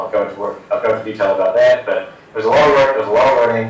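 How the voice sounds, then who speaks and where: A man with a New Zealand accent is recorded with audible room echo and noticeable background noise. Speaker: PhD student, conference speaker. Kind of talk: conference talk. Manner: fast.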